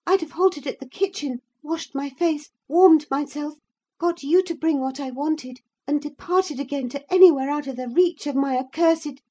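A woman's voice: sits high, mellow, voice pushed up. A woman voicing a distraught, fiery young lady. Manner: breathless, agitated, rapid outbursts.

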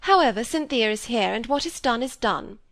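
A woman's voice: on the high side, expressive, normal speed, a bit bright, no room sound. A woman voicing a fussy, self-pitying middle-aged stepmother who complains and talks over others, with a dry, close sound. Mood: peevish.

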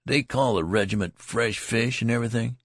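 A man's voice: low-pitched, lively intonation, moderate pace, creaky, slightly rough, no echo, clean studio sound, exaggerated voice. A man voicing a tall, boastful young soldier who talks in a folksy, lecturing way. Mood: knowing. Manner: folksy rural talk, lecturing.

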